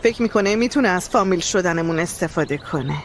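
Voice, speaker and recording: A woman's voice: fairly low pitch, lively intonation, slight background noise, natural voice. An actress dubbing a firm but worried woman in charge, uneasy about a family conflict. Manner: firm, troubled. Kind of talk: Persian drama dubbing. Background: music score.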